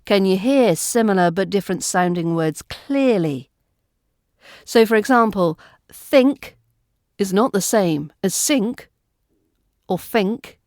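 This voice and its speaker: A woman with an RP British accent, giving a scripted lesson as an accent coach, speaking in a clear, carefully enunciated way. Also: medium pitch, animated, slow, pauses often, darkish tone, no echo, clean studio sound. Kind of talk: scripted teaching narration.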